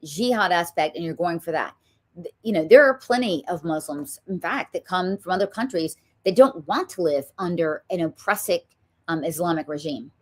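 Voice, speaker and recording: A woman's voice: on the low side, lively intonation, moderate pace. A woman with a Southern US accent, hosting a political talk show and speaking emphatically, with frequent ums. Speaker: show host.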